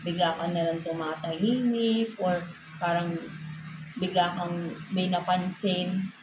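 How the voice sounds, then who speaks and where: A woman's voice: fairly low pitch, fairly even intonation, takes it slowly. A woman with a Filipino accent giving a casual tarot reading, code-switching and ending most phrases with a questioning "no?". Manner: code-switching, frequent tag "no?". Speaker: tarot reader. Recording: echoey room with noise.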